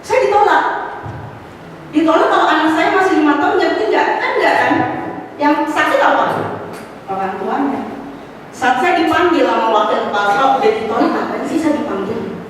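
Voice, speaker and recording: A middle-aged woman giving a personal testimony at a church fellowship, telling her story with lively exclamations and casual asides, with a slight cough. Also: high voice, fairly quick, pauses often, slight background noise. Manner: animated storytelling, rising to exclamations; mixes in casual slang and english words. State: has a cough. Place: church hall. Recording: echoey hall, voice from far off.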